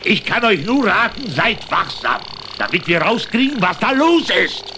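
An actor playing a bossy, suspicious animal leader in an animated film radio play, declaiming to the others. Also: male voice, sits high, normal speed, background noise. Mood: wary. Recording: loud music under the voice.

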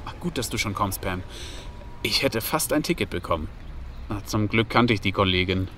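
A man's voice: fairly low pitch, expressive, moderate pace, natural voice. An actor playing an easygoing, devoted male partner in a German audio drama, in a natural conversational manner. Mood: flirty, casual. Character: Leroy, flirtatious, easygoing man, devoted partner. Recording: clear background noise, outdoor street ambience.

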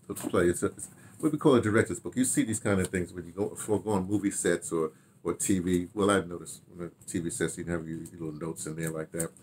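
An older man with a husky voice reminiscing casually to camera, halting and digressive as he muses aloud and repeats words. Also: deep voice, a little mellow, a little hiss or hum. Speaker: veteran radio drama director recounting career. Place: small furnished home room with bookshelves.

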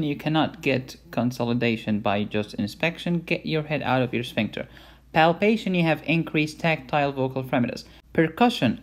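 A man giving an informal medical lecture in a playful, blunt and emphatic way. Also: a little high. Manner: playful, blunt, emphatic teaching with mild cursing.

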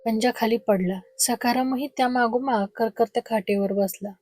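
A female storyteller reading a horror story with slow, suspenseful narration. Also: on the high side, steady tone, darkish tone, no room sound.

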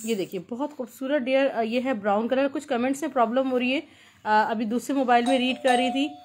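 A woman with a Pakistani accent hosting an informal live shopping sale, pitching repetitively and mixing in English words. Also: fairly quick. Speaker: live-sale host selling clothes.

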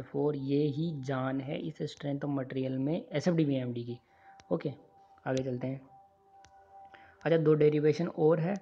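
A man's voice: mid-range voice, creaky, husky, lo-fi sound. A man teaching engineering in an online lecture over handwritten notes, drilling formulas and checking in often with his students. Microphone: voice-over on screen recording.

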